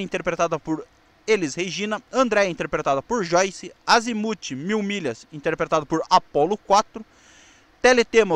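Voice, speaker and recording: A Brazilian man presenting his video channel in an old newsreel announcer style, enunciating deliberately. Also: high voice, a bit bright, no room sound. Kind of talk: nostalgic radio-newsreel style video narration with scripted sign-off.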